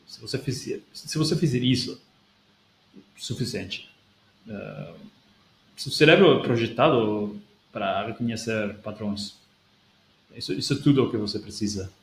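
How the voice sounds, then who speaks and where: Casting: male host with a gravelly voice and a non-native Portuguese accent, thinks aloud with restarts, recorded in an echoey room. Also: fairly low pitch, unhurried, pauses often. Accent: non-native speaker of Portuguese, European Portuguese leaning. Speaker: language-learning video host. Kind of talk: casual talk, reading out and answering a viewer comment. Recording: echoey room with faint background noise.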